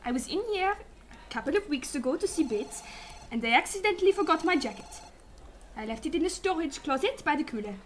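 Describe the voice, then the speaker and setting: A woman acts out a young detective's assistant in a sci-fi radio drama. Her voice is high, sassy and wheedling, with a sarcastic, teasing edge. There is faint noise behind her. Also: expressive, fairly quick. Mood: exasperated.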